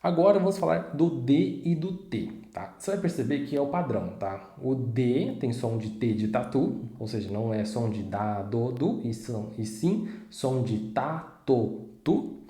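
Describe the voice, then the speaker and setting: A man's voice: mid-range voice, animated, mellow. A man teaching a casual video lesson, chatty, checking in with the learner often and drawing out demonstration syllables. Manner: chatty, drawn-out syllables in demonstrations, frequent tag questions. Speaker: Mandarin teacher. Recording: roomy echo.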